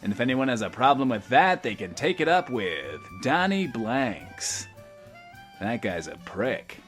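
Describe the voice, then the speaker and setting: A man's voice: medium pitch, sing-song, unhurried, a bit bright, faint music behind. A man playing a vain, sardonic post-apocalyptic radio host, grandiose and self-pitying, in an audio drama. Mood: showy, cocky.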